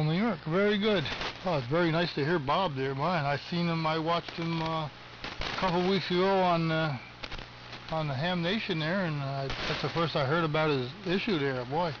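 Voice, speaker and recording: A man's voice: on the high side, moderate pace. An older American man chatting casually over ham radio in a folksy, chummy way. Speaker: amateur radio operator. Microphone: ham radio transmission. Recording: muffled AM radio with loud static.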